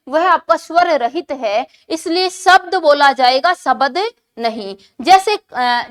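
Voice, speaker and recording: A woman's voice: high-pitched, fairly bright tone. A woman teaching an exam-prep lesson who keeps asking questions and answering them herself, repeating key words for emphasis.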